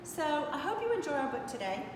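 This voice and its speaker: A middle-aged woman hosts a children's storytime in a casual, lively way. Her voice is on the high side and heard from a distance in a big, very reverberant church. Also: fairly quick. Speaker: storytime host. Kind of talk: casual introduction of a children's book. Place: standing in a large empty stone church. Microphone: distant camera. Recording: echoey church, distant mic, rumbling noise.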